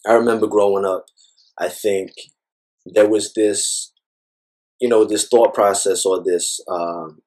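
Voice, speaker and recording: A man with a low, husky voice answers an interviewer. He reflects at length on personal experience and leans on frequent "you know"s and "like"s as he gathers his thoughts. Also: steady tone, takes it slowly, pauses often, darkish tone. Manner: thoughtful, rambling with frequent fillers. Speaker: interview guest.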